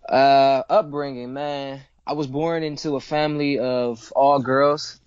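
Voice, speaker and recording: A man's voice: mid-range voice, flat delivery, unhurried, clean tone, no echo, lo-fi sound. A man in his twenties from Cleveland, chatting casually as a guest in slangy, repeating speech. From Cleveland, Ohio. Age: 20s. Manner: laid-back, slangy, repeats himself. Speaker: guest rapper. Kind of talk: casual interview chat.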